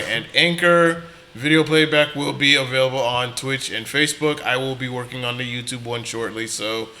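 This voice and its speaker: A man's voice: medium pitch, bright, forceful tone. A man hosting a podcast in a casual, conversational style. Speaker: podcast host. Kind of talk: casual chat.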